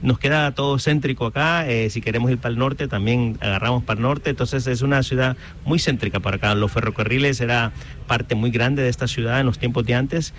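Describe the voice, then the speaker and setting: A man's voice: medium pitch, steady tone, fairly quick, slight background noise. A man from Honduras, a guest in an interview, speaking plainly with frequent hesitations. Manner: affirming, plain-spoken, hesitant fillers. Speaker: guest, local Spanish-language media director. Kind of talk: casual interview.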